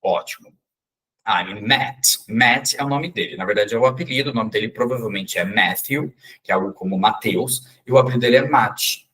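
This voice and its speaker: A man's voice: on the low side, normal speed, sharp tone, slightly rough. A man teaching an English pronunciation class in a chatty, joking way, explaining sounds step by step. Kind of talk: casual online class.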